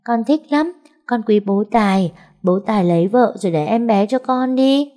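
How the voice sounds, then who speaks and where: A woman voicing a small orphaned girl who clings and whimpers in a high child's voice. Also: expressive, moderate pace, mellow, close to an everyday voice. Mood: delighted.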